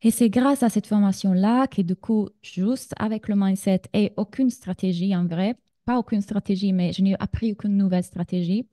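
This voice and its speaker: A woman in her thirties from Sardinia speaks French with an Italian accent as she runs a live business masterclass. Her voice is soft and warm, and the recording is dry, with no room sound. She talks in a chatty way and speaks straight to her listeners. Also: mid-range voice, moderate pace, dry recording. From Sardinia, Italy. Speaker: business coach.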